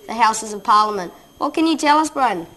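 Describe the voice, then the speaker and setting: A woman's voice: on the high side, lively intonation, a little fast, pushed and bright, slight background noise, rough recording. A woman playing a dramatic male news anchor. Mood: urgent. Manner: dramatic newsreader delivery.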